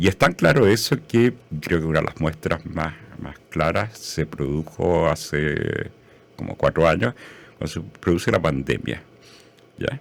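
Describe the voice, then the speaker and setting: A man with a very deep, low voice and vocal fry speaks at a fairly slow pace. His intonation is lively, broken by long, frequent pauses. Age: 70s. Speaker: poet. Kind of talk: interview. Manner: hesitant, many fillers.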